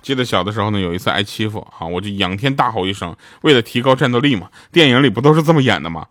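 Brief: young male stand-up, quick deadpan delivery, dry close mic. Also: on the low side, no room sound. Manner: deadpan storytelling, acting out the voices in his anecdotes. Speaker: stand-up comedian. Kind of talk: comic monologue of short jokes.

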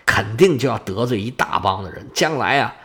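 A man's voice: fairly low pitch, animated, fairly quick, a bit bright, voice pushed down. A man storyteller voicing a worried old king who sighs and complains in exasperation. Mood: fretful. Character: worried old male king, fretful and eager.

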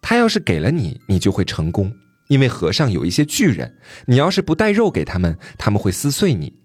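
A man voicing a talking white horse in a fairy tale, giving steady advice. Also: lowish voice, a little fast, breathy edge, dry recording, exaggerated voice. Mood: calm advice. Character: talking white horse, calm wise helper. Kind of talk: storytelling podcast, retelling a tale.

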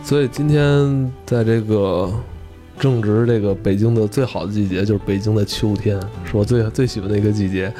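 Relaxed man hosting a podcast. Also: on the low side, fairly quick, faint music behind. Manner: relaxed, chatty, drops mild swears, nostalgic. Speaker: podcast co-host. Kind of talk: casual podcast chat.

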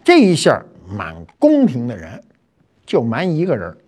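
An older man, hosting a talk show and telling a history story in a chatty, colloquial way with lively asides. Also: medium pitch, moderate pace, breathy edge. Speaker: host.

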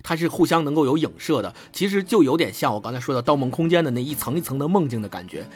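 Animated, fast-talking male storyteller. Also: on the high side, breathy edge, soft background music. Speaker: podcast host discussing a book. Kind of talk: casual storytelling chat.

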